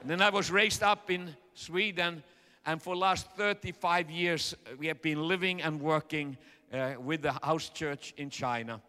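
A middle-aged man with a Finnish accent preaches in English, his voice high and bright. He is earnest and halting, with plenty of "uh"s. His voice rings out in an echoey hall. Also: clear, resonant tone. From Finland. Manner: earnest, halting with frequent fillers. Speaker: preacher and interpreter. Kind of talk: sermon.

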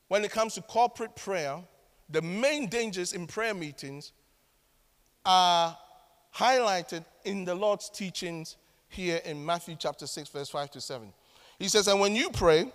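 Dramatic Ghanaian preacher, high voice. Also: male voice, big-room sound. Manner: dramatic, animated, mimics other pray-ers. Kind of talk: sermon.

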